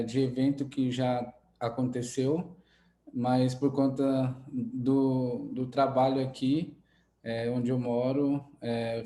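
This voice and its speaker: Slow, soft-spoken Brazilian Indigenous man. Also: mid-range voice, roomy sound. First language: an Indigenous language. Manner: hesitant, many fillers. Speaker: Indigenous musician and speaker. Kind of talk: heartfelt online event remarks.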